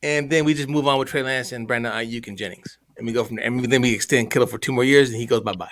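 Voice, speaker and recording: A man's voice: medium pitch, quick pace, fairly bright tone. A man calling into a sports talk show who rambles, stopping and restarting to finish his point. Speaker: caller. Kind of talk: casual sports chat.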